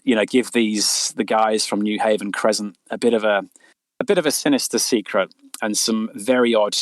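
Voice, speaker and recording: Middle aged guy, lowish voice, very dry sound, rambly interview chat, trips over words a lot. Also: dry recording. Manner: rambling storyteller with frequent stammered repeats and "you know". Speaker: interviewed horror author.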